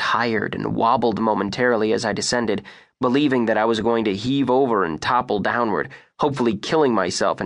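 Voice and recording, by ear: Someone reading aloud in a natural voice.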